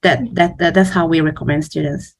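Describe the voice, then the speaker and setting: Lower-pitched woman, halting explainer. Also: fairly even intonation. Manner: halting, often repeats words. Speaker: exam prep teacher, interview guest. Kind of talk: informal explanatory Q&A talk.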